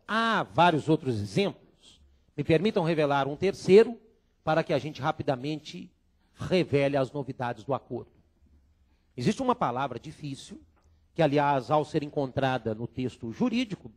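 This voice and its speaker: Male grammar teacher, lively lecturer, slightly high voice, drills the class with call-and-response. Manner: animated, drills students with call-and-response repetition. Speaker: law exam teacher. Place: lecture room filmed for a course.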